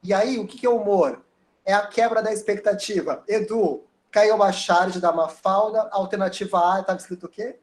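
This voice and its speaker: High voiced guy co-teaching, throws in bad jokes, casual review class. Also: moderate pace. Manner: joking, chimes in with asides. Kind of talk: casual online review lesson.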